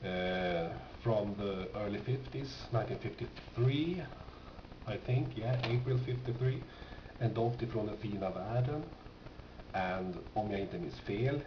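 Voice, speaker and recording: Speaking with a Swedish accent and a lowish voice, a man whose first language is Swedish casually shows items from his record collection. He stops and starts, pausing mid-sentence often, in this unscripted show-and-tell. It was captured in a room on amateur equipment, so it sounds dull, echoey and noisy.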